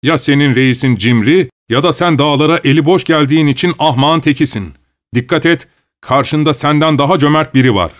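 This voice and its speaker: A man's voice: on the high side, brisk, voice pushed up, lightly acted. A man voicing a proud, taunting tribal chief. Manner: boastful, threatening.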